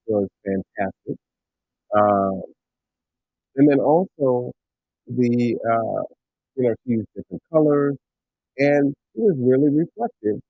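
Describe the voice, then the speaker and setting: A man's voice: medium pitch, breathy edge, dry recording. A middle-aged man hosting a podcast in casual, rambling talk, his voice coming through tinny and muffled, like inside a tin can. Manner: rambling, with many fillers and restarts. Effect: tinny sound, like talking inside a tin can. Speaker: podcast host. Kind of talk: casual chat. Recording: tinny, muffled, phone-like dry sound.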